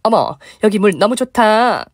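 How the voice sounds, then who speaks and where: Storybook role: a performer as a vain, penny-pinching woman near fifty, shrill when caught, dry recording. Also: lively intonation, a little slow, no room sound, close to an everyday voice. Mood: wheedling. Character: vain, stingy, shameless woman in her late forties.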